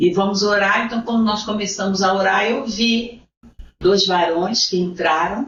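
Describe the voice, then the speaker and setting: Through audible room echo, the voice moves at a very slow pace with fairly even intonation. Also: woman. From Brazil, Rio de Janeiro. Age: 70s. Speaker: missionary. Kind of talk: testimony.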